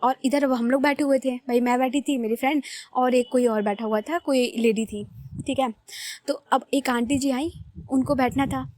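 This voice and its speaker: A young woman talking in a high, bright voice. She rambles casually and often laughs at herself, like chatting with friends. The recording is dry and close, with no echo. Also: fairly even intonation, moderate pace. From Uttar Pradesh, India. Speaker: storyteller. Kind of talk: casual storytelling vlog.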